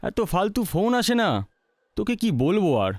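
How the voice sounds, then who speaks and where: A man's voice: high voice, lively intonation, normal speed, dry recording, studio quality. An actor playing an impatient young man who presses a friend to meet him, in film dialogue. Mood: insistent. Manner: insistent, coaxing. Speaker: film character.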